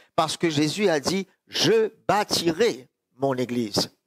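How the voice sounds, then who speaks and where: A man is talking. The sound is dry and close, with no echo. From Mauritius. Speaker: visiting pastor. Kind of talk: sermon. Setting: church.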